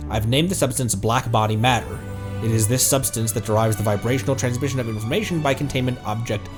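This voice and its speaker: With music in the background, a man streaming as a VTuber reads game text aloud and reacts offhandedly, occasionally stumbling and self-correcting. His voice is mid-range and his pace quick.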